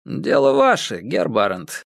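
A man's voice: a little high, huge pitch swings, unhurried, creaky, dry recording, clean studio sound, pitched above the performer's own voice, heavily acted. Male narrator as a cruel, playful old German; mocking, lilting.

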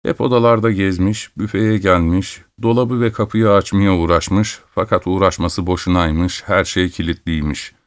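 Low-voiced male audiobook narrator. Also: no room sound, clean studio sound.

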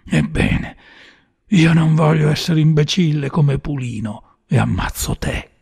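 A man's voice: fairly high pitch, unhurried, gravelly, darkish tone, husky, voice pushed up, full character voice. Man reading as a bitter, menacing young man. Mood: scornful rant. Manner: grim, scornful, rising to a rant.

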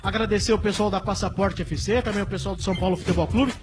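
A man hosting a live sports radio show from a mobile studio van at a stadium, chatty and upbeat with quick back-and-forth. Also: high voice, fairly even intonation, noisy background.

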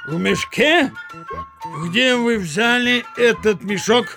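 Скрипучего, ворчливого деревенского старика. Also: male voice, very high-pitched, music in the background, exaggerated voice. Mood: irritated. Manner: grumbling, exclaiming, drawn-out theatrical delivery. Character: blustering, indignant old village peasant father, Chub. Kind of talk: Russian audio drama acting.

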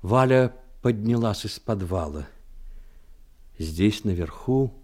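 A man reading dramatic literary narration of a war story in a measured, expressive way. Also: lowish voice.

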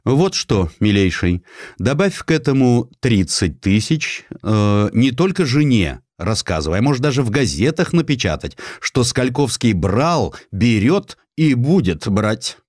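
Man playing a haughty corrupt councillor, animated. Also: medium pitch, measured pace, no room sound, studio quality, pitched above the performer's own voice. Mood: condescending, brazen. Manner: condescending, offhand. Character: haughty, nonchalant male privy councillor, openly corrupt.

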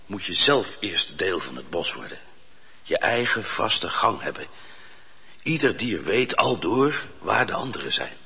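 A humble male poacher in a radio drama, explaining patiently and insistently. The voice is low and very rough, with lively swings in pitch. It rings in a long, muffled reverb. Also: heavily acted. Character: humble, earnest male poacher held prisoner. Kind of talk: Dutch radio drama acting.

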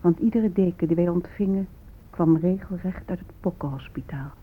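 An actress playing a bitter, grieving Native American woman, husky and restrained, in a radio drama monologue. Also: on the low side, normal speed. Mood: bitter, sorrowful. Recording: muffled, narrow-band old radio recording.

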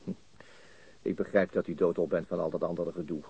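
Low, husky, shrewd police detective. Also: male voice, steady tone, dark tone, exaggerated voice. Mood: quietly insistent. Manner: measured, understated, probing. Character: calm, shrewd, methodical male police detective. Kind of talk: Dutch radio crime drama acting. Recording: muffled, dry radio drama recording.

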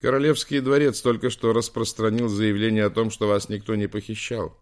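A man reading as an artificial assistant, male and British, unhurried and courteous, a little raised in pitch above a low reader's voice. a steady, mannered audiobook voice. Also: lightly acted. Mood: reassuring. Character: polite male computer assistant with British accent.

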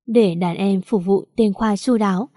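A woman narrating a dramatic story in a steady, scripted storytelling manner. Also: mid-range voice, a little slow, dry recording, clean studio sound.

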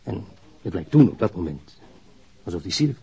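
A working-class killer making his confession in a radio play, on a dull, lo-fi recording. The voice is low and gravelly. He is halting yet frank and matter-of-fact. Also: very animated, darkish tone, exaggerated voice. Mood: bitter, resolute. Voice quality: gravelly, husky. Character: subdued working-class man confessing to a killing. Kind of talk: naturalistic radio drama acting. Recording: dull, muffled lo-fi sound.

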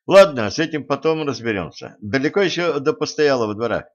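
A man's voice: mid-range voice, animated, brisk, natural voice. A man voicing a cocky, sarcastic young male trainee who talks with confidence, in a slightly muffled audiobook recording. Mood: confident. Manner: confident, mocking.

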